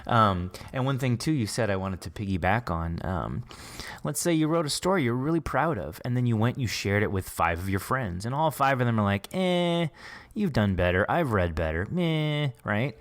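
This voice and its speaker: A man's voice: medium pitch, big pitch swings, moderate pace. A man hosting an informal interview, talking in an encouraging, effusive and reflective way. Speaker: podcast host and interviewer. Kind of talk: casual, reflective interview chat.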